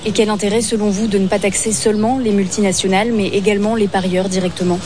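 A woman correspondent asking interview questions in a clear, measured way. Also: medium pitch, steady tone, crowd noise.

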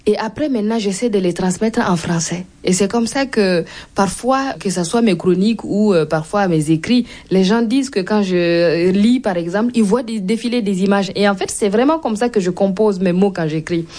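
A woman's voice: mid-range voice, moderate pace, warm tone. A woman from Burkina Faso with a Burkinabé accent, a Mooré speaker, guest author and comedian reading and talking in an interview.

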